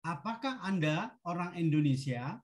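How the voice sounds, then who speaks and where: A woman teaching a language, reading short model sentences in a deliberate, instructional manner for repetition. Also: on the low side, lively intonation, a crowd in the background.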